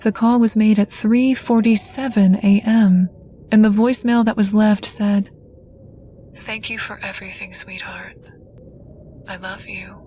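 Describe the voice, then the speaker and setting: A woman reading a first-person ghost story in a soft, measured, earnest way over faint background music. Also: medium pitch. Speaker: guest narrator.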